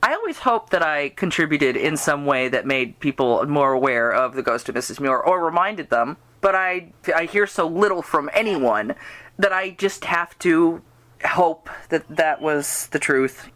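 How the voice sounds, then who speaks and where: Woman, lowish voice, enthusiastic rambling storyteller, casual podcast conversation, very little room echo. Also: animated, a little slow, fairly bright tone. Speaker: podcast host and radio drama writer. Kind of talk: casual fan interview chat.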